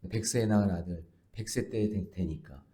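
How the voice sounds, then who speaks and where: A man preaching a dawn prayer service sermon as a pastor, emphatic and questioning the congregation, swinging between loud exclamations and soft asides. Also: low-pitched, moderate pace. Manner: talks directly to the congregation with questions.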